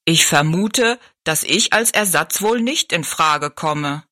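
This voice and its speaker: A woman voicing a dignified, courteous giant man in a storybook, with formal, drawn-out speech. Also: low-pitched, expressive, bright, forceful tone, no echo, clean studio sound, heavily acted. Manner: stately, formal, drawn-out delivery. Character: dignified, courteous, slow-spoken giant man of a fairground show. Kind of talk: storybook narration.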